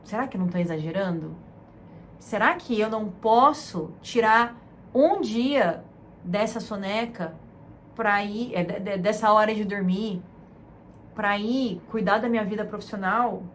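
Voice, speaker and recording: A woman from Brazil hosting a self-help talk, speaking in a soft, soothing, emotive way that repeats words. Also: mid-range voice, measured pace, slight background noise. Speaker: self-help channel host. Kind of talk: gentle motivational talk.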